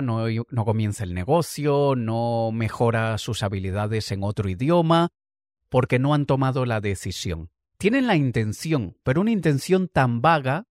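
A man talks through a motivational lesson in an easy, conversational way. His voice sits at an ordinary middle pitch and is recorded dry and close, with no room echo. He builds his points from his own everyday examples. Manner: conversational, reflective, uses personal examples; occasional light laughs. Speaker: motivational speaker. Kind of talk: motivational monologue.

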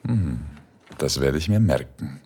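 A man playing a calm, teasing male philosophy professor in an audio drama. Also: a bass voice, unhurried, breathy edge, exaggerated voice. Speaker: tutor.

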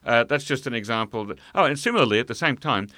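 A man telling a travel story in an interview, halting, full of fillers and restarts. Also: mid-range voice, lively intonation, bright, forceful tone, no room sound, studio quality. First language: English. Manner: hesitant, many fillers and restarts. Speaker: guest. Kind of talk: conversational storytelling.

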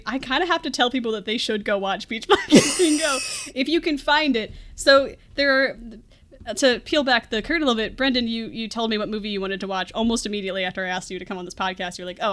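A woman's voice: fairly high pitch, fairly bright tone. A woman hosting a podcast, talking casually about a movie in a chatty, jokey way with frequent laughter. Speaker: podcast host.

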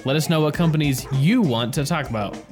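A man co-hosting a business podcast reads sponsor spots and puts short questions to the host. His voice sits a touch high for a man. Clear music plays under him the whole time. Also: brisk. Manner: prompting, reads promos. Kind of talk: scripted sponsor read and prompting questions.

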